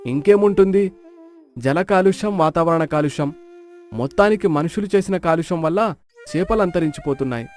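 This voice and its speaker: A clever, outspoken village fisherman in a story drama, played by a man. His voice is high for a man and declamatory as he explains. Soft flute music runs underneath. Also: brisk, close to an everyday voice. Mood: earnest, advising. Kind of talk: dramatized moral story acting.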